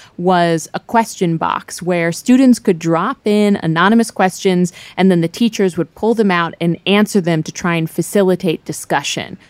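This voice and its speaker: In a very clean recording with a silent background and a dry, close sound with no echo, a woman with an unremarkable speaking voice talks at a medium pitch and a moderate pace with ordinary pitch variation. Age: 30s. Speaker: radio host. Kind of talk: scripted narration. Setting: stage with audience.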